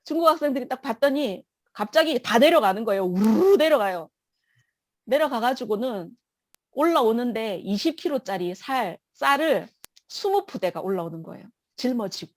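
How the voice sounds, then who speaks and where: A woman's voice: fairly high pitch, lively intonation, normal speed, no room sound. A woman giving an emotional personal testimony in church, telling her story vividly.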